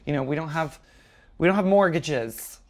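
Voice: medium pitch, moderate pace. A young adult guest in a casual comedic chat, talking in a meandering, hesitant, self-deprecating way.

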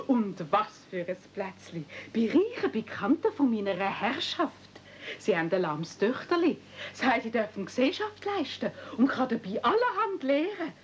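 Nagging aunt, Swiss German, high female voice, insistent, scolding, radio drama, faint hiss. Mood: eagerly persuasive. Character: pushy, scolding, bustling aunt. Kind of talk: radio play acting. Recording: muffled, noisy old 1970s audio play recording.

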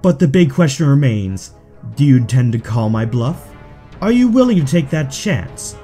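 A man's voice: medium pitch, sing-song, moderate pace, warm tone, soft background music, close to an everyday voice. Suave, lilting, mocking villain acted by a man. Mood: smug, menacing. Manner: taunting, mock-affectionate, theatrical. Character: suave, mocking, theatrical villain toying with his rival. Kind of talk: fan audio drama acting.

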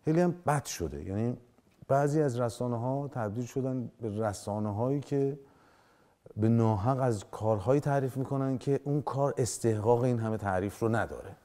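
A man's voice: mid-range voice, warm tone. A man in his forties, an actor as a guest in a TV studio interview, talking emphatically and gesturing as he makes his case. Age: 40s. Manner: emphatic, gestures with hands, acts out quoted lines. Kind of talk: studio interview, animated opinion. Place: dark television studio set. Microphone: lapel mic.

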